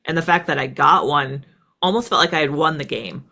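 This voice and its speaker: Bright-voiced American woman telling her story. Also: low-pitched, fairly quick, creaky. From United States. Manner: conversational, peppered with "like" and "right". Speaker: interview guest, former military fighter pilot. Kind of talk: casual reflective interview storytelling.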